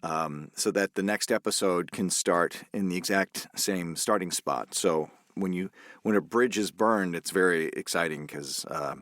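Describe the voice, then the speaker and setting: A man's voice: low voice, measured pace, a bit bright, no room sound, clean studio sound. A man hosting a podcast interview, talking reflectively and often restarting his phrases. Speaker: podcast host. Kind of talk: casual interview chat.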